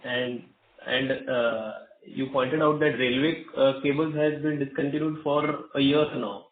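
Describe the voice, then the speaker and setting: A man's voice: mid-range voice, level tone, unhurried, echoey room. Man questioning over a tinny phone line. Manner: polite and hesitant, many fillers, says sir. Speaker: analyst asking questions on an earnings call. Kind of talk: business call questions.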